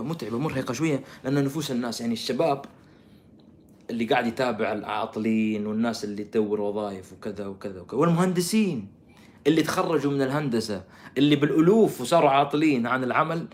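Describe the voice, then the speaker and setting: A man giving sarcastic live-stream commentary, swinging from loud outbursts to soft mutters. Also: medium pitch, a little hiss or hum. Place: living in Canada.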